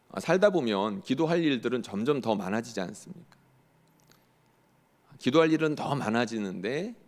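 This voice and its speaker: A male pastor preaching a sermon in earnest, often posing rhetorical questions to the congregation. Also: medium pitch. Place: church sanctuary. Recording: long church hall reverb.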